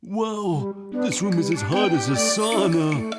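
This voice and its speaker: A woman's voice: fairly low pitch, expressive, takes it slowly, loud music behind the voice. A woman voicing a conceited, educated young man, a suitor in a children's storybook tale. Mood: flustered stammering.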